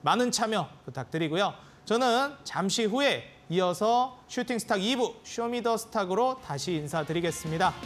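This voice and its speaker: A man's voice: sits high, lively intonation, normal speed, hardly any pauses, a bit bright, faint music behind. A man hosting a finance TV show, announcing an upcoming broadcast in a polished, promotional tone. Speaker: host. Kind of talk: broadcast show host wrap-up.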